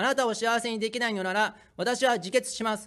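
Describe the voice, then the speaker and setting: Over a quiet background, a man talks at a fairly quick pace in a high voice with ordinary pitch variation. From Japan, Yokohama; Japan. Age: 30s. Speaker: political candidate; candidate. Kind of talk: political broadcast speech. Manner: read from a script. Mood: earnest, confessional. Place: studio. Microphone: studio mic.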